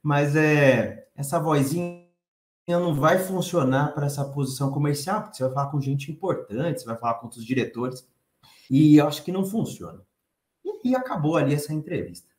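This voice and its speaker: Soft-voiced Brazilian man giving a talk. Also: a little high, fairly quick, reverberant. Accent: Brazilian Portuguese. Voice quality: soft, light voice. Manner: conversational, expressive, reads the chat aloud. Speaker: conference speaker. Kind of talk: conference talk.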